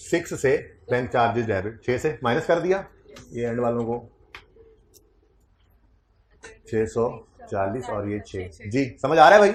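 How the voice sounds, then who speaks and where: Teasing man lecturing a class. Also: mid-range voice. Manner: conversational, teasing students, repeats key points. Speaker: accounting lecturer.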